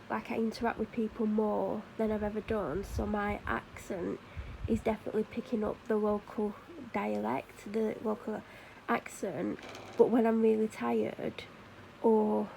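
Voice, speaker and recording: A woman's voice: mid-range voice, steady tone, normal speed, vocal fry, warm tone, a little hiss or hum, low-quality recording. A woman with a Mancunian accent chatting casually to camera while doing her makeup, rambling with fillers and self-corrections. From Manchester, England. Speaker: vlogger.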